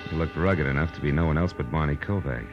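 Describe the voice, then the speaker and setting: An actor playing a tough, wry private detective, terse and sardonic, in a 1940s radio noir drama. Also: male voice, very deep voice, quick pace, muffled recording, music in the background. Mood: narrating, tense. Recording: vintage radio recording with hiss.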